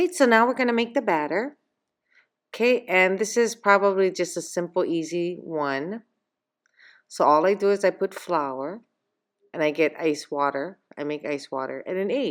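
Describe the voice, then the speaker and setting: Her voice sits at a medium pitch with lively intonation. The woman leaves long, frequent pauses. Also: moderate pace. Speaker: cooking vlogger. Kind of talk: casual talk to camera.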